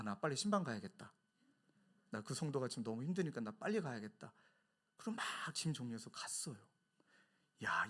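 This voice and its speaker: A male pastor preaching a sermon, telling a story with animated delivery and acted-out quotes. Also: mid-range voice. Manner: animated storytelling, acts out friends' quotes with laughter.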